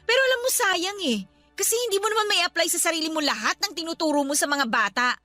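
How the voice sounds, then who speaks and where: A woman's voice: very high-pitched, fast, bright, forceful tone, soft background music. An actress playing a hurt younger sister who answers her elder with bitter, cutting words in a radio drama. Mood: sarcastic. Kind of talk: Tagalog radio drama acting.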